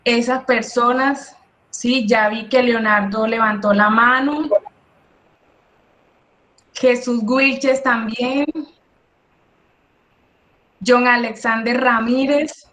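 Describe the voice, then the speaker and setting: A woman's voice: fairly high pitch, fairly even intonation, very slow, long pauses, a bit bright, echoey room. A woman teaching an online workshop, speaking with energy and emphasis and often checking in with her listeners. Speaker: workshop instructor.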